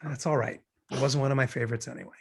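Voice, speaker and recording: Awkward male romantic lead, played by a woman: creaky, low-pitched, hesitant, gently consoling. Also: steady tone, rapid-fire, full character voice. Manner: hesitant, reassuring. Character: awkward, gently consoling man in his thirties, romantic comedy. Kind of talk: virtual table read of a film script.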